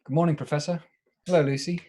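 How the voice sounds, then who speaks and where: A man's voice: a little high, fairly even intonation, fast, mellow, natural voice. An actor playing an earnest, anxious man in love, hesitant and emotional, in a radio drama. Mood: polite. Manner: hesitant, emotional, stammering when alarmed. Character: earnest, anxious lovesick man, doctor and narrator. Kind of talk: theatrical radio drama acting and narration.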